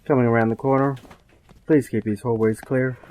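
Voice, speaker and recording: A man's voice: medium pitch, fairly even intonation, normal speed, darkish tone, slight background noise, natural voice, rough recording. An actor playing an alert male police officer in an audio drama, clipped and procedural, projecting as if reporting by radio. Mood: brisk, alert.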